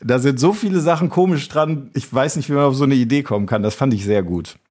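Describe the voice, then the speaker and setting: A man's voice: mid-range voice, quick pace, darkish tone. A man co-hosting a casual podcast, telling rambling anecdotes and laughing often. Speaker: podcast co-host.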